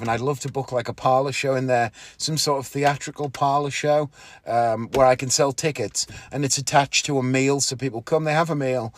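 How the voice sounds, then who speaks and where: A man, talking casually and candidly on his solo podcast from inside a parked car, often correcting himself. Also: mid-range voice. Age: 30s. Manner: rambling, candid, self-correcting. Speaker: podcast host, magician.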